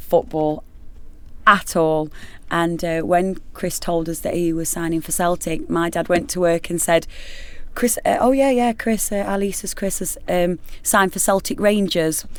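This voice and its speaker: A woman with a Nottingham accent and a medium pitch speaks at a fairly slow pace. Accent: broad Nottingham. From Nottingham, England. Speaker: footballer's wife and charity ambassador. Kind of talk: interview. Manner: animated.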